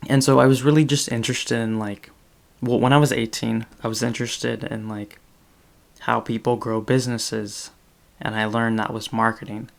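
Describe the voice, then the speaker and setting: A podcast host in his twenties chats casually on a video call from a small indoor room, rambling with lots of fillers and self-corrections. His mid-range voice is gravelly and flat, at normal speed.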